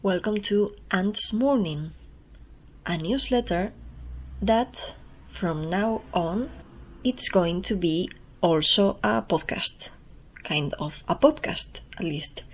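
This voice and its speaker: A woman's voice: mid-range voice, expressive, slow pace, slightly rough, rough recording. A woman with a Spanish accent, who speaks English as a second language, hosts her own podcast in a chatty, self-deprecating way. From Spain. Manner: chatty and self-deprecating, soft-spoken, laughs at herself. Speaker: newsletter writer and podcast host. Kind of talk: casual spoken podcast intro, reading her newsletter.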